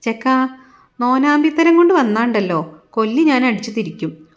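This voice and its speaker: A sharp-tongued old aunt from a storybook reading, as a woman narrator puts her on, loud and scolding. Her voice jumps up high and forceful when she snaps at the boy. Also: big pitch swings, moderate pace.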